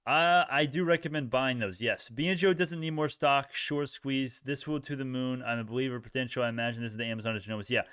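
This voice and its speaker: Fast-talking young man, casual stock streamer. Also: medium pitch, fairly bright tone, clear, resonant tone, dry recording, studio quality. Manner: informal bro slang, thinks aloud, repeats himself. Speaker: livestream host, retail stock trader. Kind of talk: casual live stock-chart commentary, reacting to chat.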